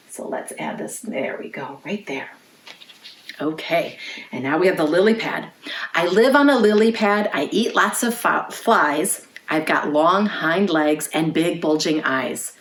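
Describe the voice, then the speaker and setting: A woman's voice: sits low, takes it slowly, slight background noise. Echoey woman reading storytime to young children. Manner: clearly phrased, interactive, asks children questions. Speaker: children's librarian, storytime host. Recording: roomy, echoey indoor sound.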